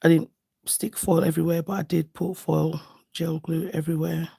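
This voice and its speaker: Casual livestream host: woman, slightly lower-pitched, gravelly and hoarse, chatty and affectionate. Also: level tone, normal speed, warm tone. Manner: chatty, affectionate, thinking aloud. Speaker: nail art livestream host. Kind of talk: casual live chat while doing nails.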